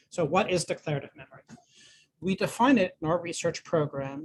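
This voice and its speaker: A man's voice at a very fast pace, with ordinary pitch variation. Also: dry, close sound with no echo. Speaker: professor. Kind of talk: lecture.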